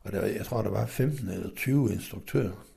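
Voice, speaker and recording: A middle-aged man from western Denmark, an interview guest telling his life story in a rambling, halting way with many fillers and restarts. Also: fairly low pitch, creaky, mellow, slightly rough.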